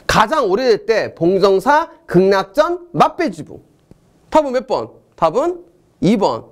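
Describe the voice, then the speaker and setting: A man's voice: high voice, measured pace. A middle-aged man teaching a history exam-answer lecture, joking and chatting with his students between questions. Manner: jokey, excitable, chatty asides to students.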